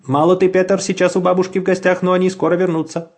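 A boisterous farmer in a storybook calls out in a raised, higher voice, played by a male reader. He booms with hearty cheer, though his tone stays dark and husky. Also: little pitch movement, fast. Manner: loud and boisterous. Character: loud hearty farmer man.

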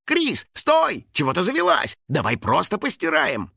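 A man doing a shouty indignant house spirit. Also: fairly high pitch, huge pitch swings, unhurried, gravelly, slightly rough, dry recording, clean studio sound, pitched above the performer's own voice, heavily acted. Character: excitable male house spirit, cheeky and indignant. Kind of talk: audiobook character voice.

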